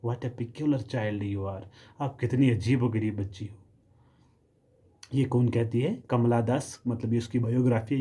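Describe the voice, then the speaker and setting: A male English lecturer giving a classroom lesson in mixed Hindi and English, explaining slowly, repeating himself and asking rhetorical questions. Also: mid-range voice, dark tone, husky. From Kargil, Ladakh. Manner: reads quoted English lines slowly and with emphasis.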